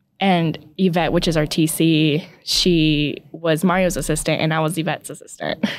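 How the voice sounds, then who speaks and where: Music plays in the background behind speech at a moderate pace with hardly any pauses. The loudness is very even and the intonation monotone and flat. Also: woman, fairly low pitch for a woman. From Mexico, Guadalajara. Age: 20s. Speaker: real estate investor. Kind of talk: podcast interview. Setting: studio.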